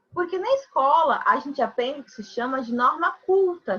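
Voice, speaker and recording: Using a raised, projected voice, a woman speaks at a moderate pace with a high pitch. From Brazil, São Paulo state (São Vicente). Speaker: teacher. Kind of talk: online lecture. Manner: conversational.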